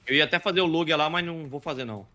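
Bright, joking Brazilian man gamer. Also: on the high side, rapid-fire. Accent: Brazilian Portuguese. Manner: joking, slangy, playful. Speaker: player in a gaming session. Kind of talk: casual gaming banter.

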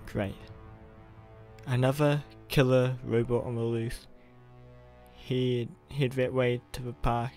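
A man's voice: mid-range voice, level tone, slow, long pauses, darkish tone, soft background music. A young man playing an awkward, earnest college student who is secretly a superhero, in a roleplay audio with hesitant delivery. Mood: urgent.

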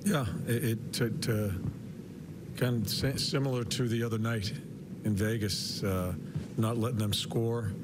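At a postgame press conference in an arena press room, an older head coach in his sixties talks at a measured pace in a fairly low voice, tripping over and repeating words amid fillers. He's captured by a podium mic in a medium camera shot, with constant background hiss under the broadcast feed.

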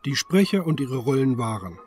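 A man's voice: mid-range voice, sing-song, normal speed, darkish tone. A man reading scripted credits as an announcer. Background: music.

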